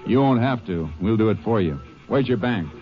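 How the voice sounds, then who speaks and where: An actor playing a calm, shrewd Texas Ranger in a 1950s radio western, speaking in a terse, matter-of-fact way. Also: male voice, on the low side, moderate pace, soft background music, natural voice. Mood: firm, businesslike. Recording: dull old 1950s radio recording.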